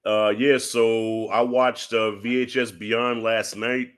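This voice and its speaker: A man with a head cold, his voice thick and congested as he chats as a podcast guest. His talk is slangy and animated, and it gets louder when he is excited. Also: medium pitch, slow, clear, resonant tone. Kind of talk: casual chat.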